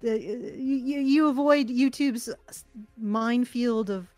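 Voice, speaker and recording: A woman co-hosting a podcast, chatty and lively in casual talk. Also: fairly high pitch, slow pace, dry recording, faint music behind. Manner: chatty, lively, giggles often. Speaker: podcast co-host. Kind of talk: casual chat.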